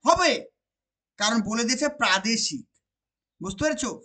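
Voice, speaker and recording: A woman with a West Bengal accent teaching an exam-prep grammar lesson. She repeats each point and keeps asking whether it is clear. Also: on the high side, animated, bright, forceful tone. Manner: repeats points and asks rhetorical check questions; slows down to stress key phrases.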